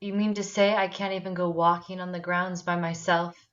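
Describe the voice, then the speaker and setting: A woman's voice: lowish voice, flat delivery, normal speed, a bit bright, lightly acted. Woman playing a fragile young female patient, dull lo-fi audio. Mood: resentful, guarded. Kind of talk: virtual table read of a screenplay.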